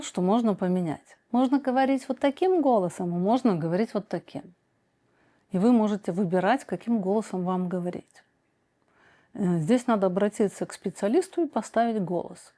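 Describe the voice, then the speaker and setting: A woman with a dark, mellow voice answers viewers' questions about their lives. She talks slowly and deliberately, often pausing on a soft hesitation before each point. Her advice comes out frank and direct. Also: mid-range voice. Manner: slow, deliberate, many pauses and hesitations. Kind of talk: calm measured advice monologue.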